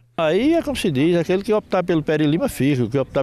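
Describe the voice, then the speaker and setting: A man speaking at a very fast pace, dry sound with no echo, light background noise. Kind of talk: interview answer. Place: open country. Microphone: handheld.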